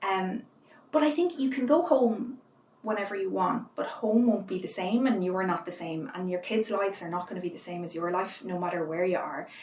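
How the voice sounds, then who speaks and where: Over noticeable background noise, a woman with an Irish accent speaks with lively intonation. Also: medium pitch for a woman, fairly quick pace. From Ireland, County Longford. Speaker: lawyer and emigrant guest. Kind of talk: casual chat.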